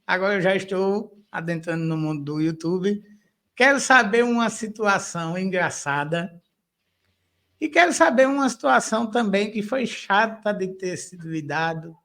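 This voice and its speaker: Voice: medium pitch, fairly bright tone. A podcast interviewer asks a guest questions in a casual way. The voice stays in a middle range, and the questions run long and loose.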